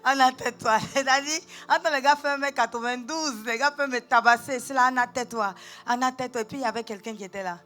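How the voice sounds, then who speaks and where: A woman pastor with a Gabonese French accent, preaching a sermon and telling lively personal stories in a church. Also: a little high, fast talker, soft background music. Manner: animated, acts out quotes, switches between calm and shouting.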